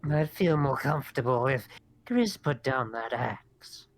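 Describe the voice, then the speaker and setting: A man voicing a hunched, gangly old hag woman who talks in a slow, high, drawn-out voice. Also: lively intonation. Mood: wary.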